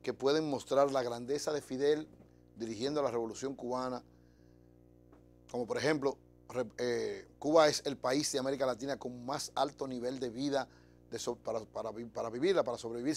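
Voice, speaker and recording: Here the Dominican TV host, a middle-aged man, talks to camera in a mid-range, slightly mellow voice. His monologue is emphatic and conversational, recorded on a lapel mic in a TV studio, with his Dominican accent clear.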